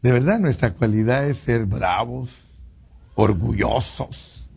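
A man preaching a sermon in an animated way, swinging between loud bursts and hushed asides. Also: mid-range voice, a little slow, slightly rough. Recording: dull lo-fi recording.

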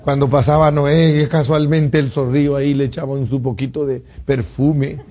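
A man preaching a sermon in an animated way, swinging between loud bursts and hushed asides. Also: medium pitch, normal speed, husky. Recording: dull lo-fi recording.

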